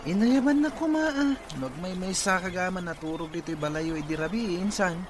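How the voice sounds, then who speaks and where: Man acting a high-voiced, friendly Filipino cousin. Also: animated, moderate pace, music in the background. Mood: reassuring. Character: friendly, helpful male cousin, frank and reassuring. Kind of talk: Ilocano audio drama acting.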